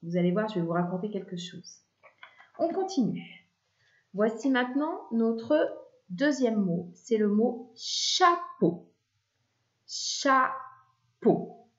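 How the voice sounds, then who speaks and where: Slow patient woman teaching spelling. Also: on the high side, animated. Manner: slow, clear, patient syllable-by-syllable explaining. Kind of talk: children's spelling lesson. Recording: echoey room, dull lo-fi sound.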